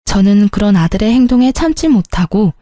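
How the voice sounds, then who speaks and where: A middle-aged woman narrating her own story as a mother, calm and motherly in her dialogue. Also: mid-range voice, brisk, dry recording, clean studio sound.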